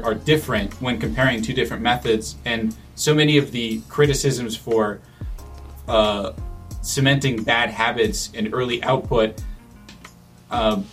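Faint background music accompanies a man chatting in a relaxed, casual way. His pitch is middling, and he thinks aloud, pausing, using fillers, and restarting his sentences often.

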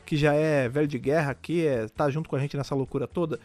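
A man's voice: on the high side, fairly even intonation, darkish tone. A Brazilian man co-hosting a podcast, chatting enthusiastically and peppering his talk with slang fillers. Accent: Brazilian Portuguese. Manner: fast, enthusiastic, peppered with "cara". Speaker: podcast co-host. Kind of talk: casual podcast chat.

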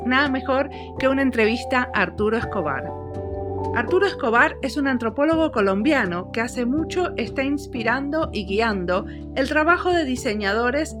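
A woman opens a podcast episode, reading a conversational intro in a fairly high voice. Music plays clearly underneath her words. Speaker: podcast host. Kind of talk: scripted intro and interview questions.

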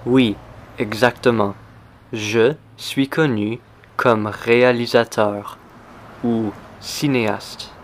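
Guy teaching a language lesson super slowly, mid-pitched voice, repeats stuff. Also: fairly even intonation, slight background noise. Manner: very slow and deliberate, repeating phrases. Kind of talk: slow scripted language lesson.

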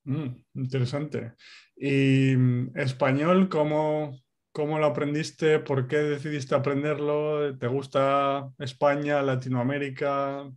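Host: man from Spain, middle pitch, monotone, encouraging. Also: slow pace. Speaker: podcast host. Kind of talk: podcast interview.

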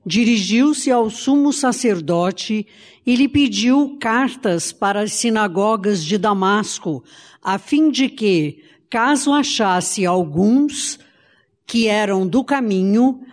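Slow woman reading scripture. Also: medium pitch, long reverb tail. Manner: measured, even reading. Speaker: scripture reader.

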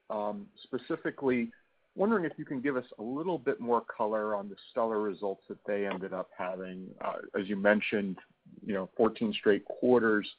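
A man speaking as a financial analyst, asking questions on an earnings call in a halting way, searching for words over the telephone. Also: lowish voice. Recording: narrow muffled phone line.

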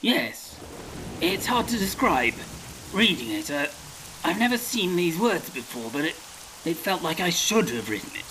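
An actor playing a flustered, skeptical writer in an audio comedy, pedantic and incredulous. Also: male voice, on the high side, big pitch swings, measured pace, pushed and bright, a little hiss or hum, heavily acted, low-quality recording. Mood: uncertain. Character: flustered, skeptical male English writer, indignant and precise. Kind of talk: comedy audio drama acting.

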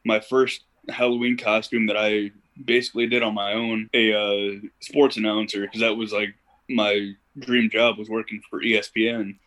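In this rough recording, a young man from Ohio is a podcast guest in a laid-back interview, telling stories with frequent "you know" fillers. His voice sits fairly low, with a level tone, a bit of brightness and a moderate pace.

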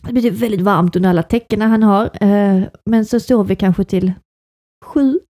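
A woman's voice: medium pitch, dark tone. A woman in her thirties, a podcast co-host, chatting casually and frankly, laughing often. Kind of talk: casual chat.

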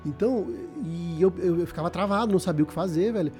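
A man with a high-sitting voice talks fast, faint music in the background. He's a Brazilian podcast host in a relaxed video game chat, full of slang and repeated words as he gropes for phrasing.

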